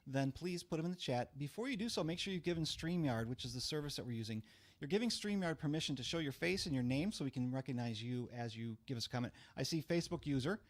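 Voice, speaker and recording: A middle-aged man with a low, rough voice, hosting a casual live-stream chat in a small studio on a boom-arm mic. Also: animated. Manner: brisk, chatty, talks with his hands. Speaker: host. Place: small studio room full of gear. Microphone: studio mic on boom arm, headphones on.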